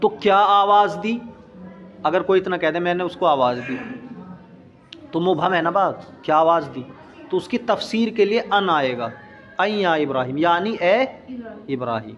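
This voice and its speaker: A man teaching an Arabic grammar lesson as a teacher. He reads the text slowly, explains it quickly and asks his students questions. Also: sits high, lively intonation, a bit bright, dull audio.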